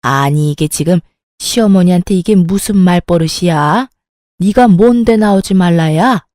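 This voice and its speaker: A woman voicing a scheming, bossy older mother-in-law who scolds in a haughty, shrill way. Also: unhurried, darkish tone, dry recording, studio quality, natural voice. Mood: furious scolding.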